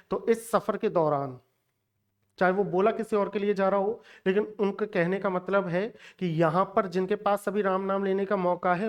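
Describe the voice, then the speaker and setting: A male teacher gives a spoken language lesson aimed at exam preparation. He lectures emphatically and speaks straight to his students. He drills pronunciations by saying the same word several times in a row. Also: high-pitched. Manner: emphatic, drills words by repeating them; lecturing, addresses viewers directly. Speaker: Hindi teacher.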